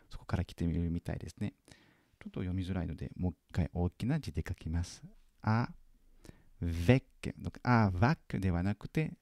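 Man, French teacher, patient and careful, gravelly low voice, dry close sound. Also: warm tone, dry recording. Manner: patient, explains slowly and repeats French phrases carefully. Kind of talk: correcting homework in a lesson video.

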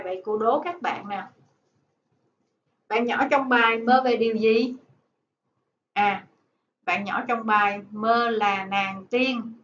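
Woman, primary teacher dictating to young pupils word by word; high voice, dull echoey recording. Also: fairly bright tone. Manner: dictating, deliberate, enunciating word by word. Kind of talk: slow dictation-style lesson for children. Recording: echoey room, dull sound, faint noise.

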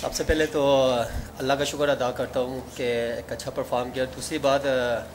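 A young man, a cricket player quietly answering questions at a press conference. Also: medium pitch, flat delivery, moderate pace, a little hiss or hum. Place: indoor press conference room. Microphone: table microphone.

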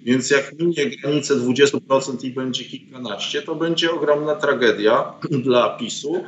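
A man's voice: mid-range voice, normal speed, slight background noise. A middle-aged man, a professor, speaking as a guest on a political video call from his home study, hesitant with many filler sounds and indignant in tone. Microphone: video call webcam. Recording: roomy, dull lo-fi call audio.

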